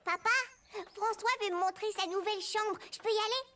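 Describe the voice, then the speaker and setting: A performer voicing a curious, gentle four-year-old boy in a playful children's cartoon. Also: very high voice, fairly even intonation, a little fast, a little hiss or hum. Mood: curious, happy.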